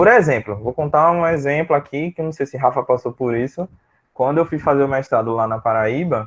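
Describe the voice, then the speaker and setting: In a Recife accent, a man with a fairly high pitch talks at a fairly quick pace, recorded with a dry, close sound and no echo. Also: ordinary pitch variation. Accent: Recife, Northeast Brazilian, palatalized S. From Brazil, Recife (Pernambuco). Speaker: linguistics professor. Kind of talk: lecture.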